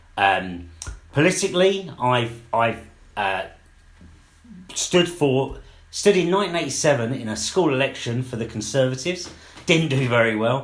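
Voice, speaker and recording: With audible room echo, a man of medium pitch speaks in a South London accent, his pitch swinging very widely around long, frequent pauses. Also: moderate pace. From South London, Croydon. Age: 40s. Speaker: political podcast co-host. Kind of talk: podcast introduction.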